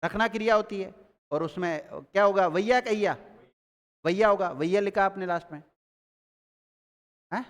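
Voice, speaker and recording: A man's voice: high voice, moderate pace, long pauses, long reverb tail. A man teaching a grammar class, quizzing his students and repeating key words as they take notes.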